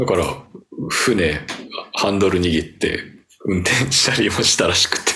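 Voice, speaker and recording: The speaker talks fairly slowly in a Kansai accent, with ordinary pitch variation. Long pauses come often. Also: man, very deep, low pitch for a man. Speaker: podcast co-host. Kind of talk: casual chat.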